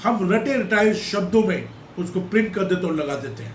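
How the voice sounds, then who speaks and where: A man speaks with ordinary pitch variation. Room echo can be heard. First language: not Hindi (speaking Hindi). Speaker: lawyer. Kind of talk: legal explainer video.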